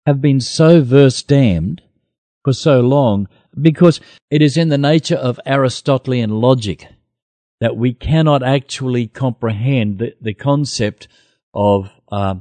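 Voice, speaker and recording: A man with an average-pitched voice talks through religion conversationally as a co-host. His manner is skeptical and sardonic, and the recording is dry, with no room sound. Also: takes it slowly, mellow, no room sound.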